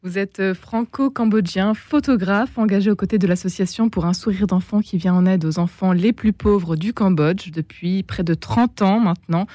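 A woman hosting an interview, asking questions in a measured way with frequent pauses. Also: medium pitch, mellow, no echo. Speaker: interviewer host.

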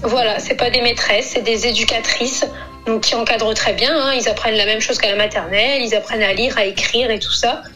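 A woman from France answering interview questions about her family, hesitant, with many fillers and pauses. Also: on the high side, fairly even intonation, pushed and bright, soft background music. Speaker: guest, expat mother.

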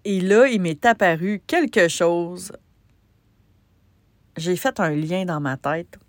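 On her solo podcast, a Québécois-accented woman who works as a business coach chats in a lowish voice, often pausing and starting sentences over. The recording is dry.

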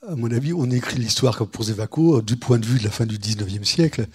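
A man who is a guest historian and university teacher on a panel, measured and candid. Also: medium pitch, husky. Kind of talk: panel discussion.

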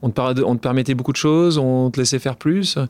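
A man's voice: medium pitch, fast, a little mellow. A man hosting a podcast, asking informal, rambling questions full of restarts. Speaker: podcast host. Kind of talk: casual interview questions.

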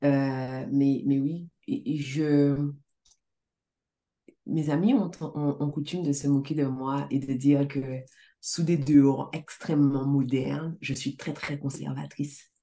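A middle-aged woman success coach talking in a casual interview, emphatic and animated, swearing now and then. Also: very deep voice, takes it slowly. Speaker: success coach, podcast guest.

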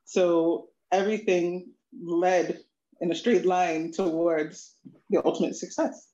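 An earnest, reflective adult student describes her language lessons at a middle pitch. The sound is roomy and echoey, and a little dull. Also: fairly even intonation, takes it slowly, dark tone. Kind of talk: interview. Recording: echoey, muffled lo-fi audio.

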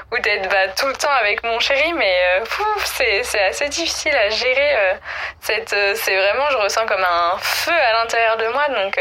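Woman leaving a voicemail, gravelly and bright. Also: a little high. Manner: hesitant, many fillers and restarts. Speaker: listener leaving a voice message. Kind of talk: casual personal voice message.

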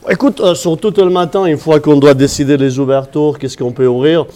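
A man's voice: on the high side, fairly quick. A man from the Cerdagne region with a Catalan-tinged accent, a ski patroller talking casually in an interview with lots of hesitations. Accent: Catalan-tinged French with southern French and Swiss touches. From Cerdagne, Pyrenees. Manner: relaxed, chatty, frequent hesitations. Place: ski area staff building.

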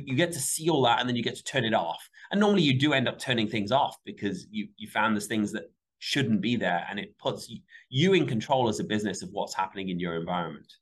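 A company CEO with a Michigan accent answers a man's interview questions as a guest, speaking animatedly. His pitch jumps quickly whenever he stresses a point.

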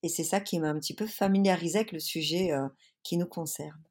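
Woman, interview guest, earnest and hesitant, lower voice, slight cold. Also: fairly even intonation, quick pace. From France. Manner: warm, earnest, many hesitations. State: has a cold. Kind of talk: casual interview.

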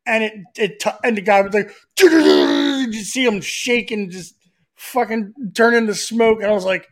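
A man in his forties talks with a high, bright voice. He is a loud, profane guest on a casual podcast, swearing freely as he tells his stories. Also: measured pace. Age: 40s.

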